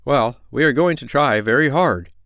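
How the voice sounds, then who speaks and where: A man voicing a kind, cheerful animal doctor in a storybook, speaking gently and reassuringly. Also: medium pitch, moderate pace, no echo, studio quality, voice pushed up, lightly acted.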